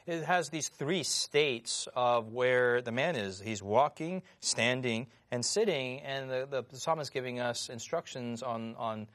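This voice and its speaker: A man's voice: medium pitch, a bit bright. Male host steering a Bible discussion. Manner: questioning, leads discussion, brisk wrap-ups. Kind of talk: hosting a Bible discussion show.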